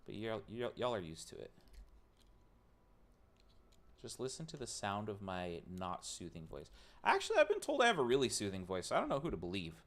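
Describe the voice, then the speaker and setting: A man's voice: on the low side, huge pitch swings, fast talker, a bit bright. A man streaming as he builds a robot, chatting casually and teasing himself while he tinkers. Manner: rambling, self-mocking, talks to chat while tinkering. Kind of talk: casual live-stream chat while working.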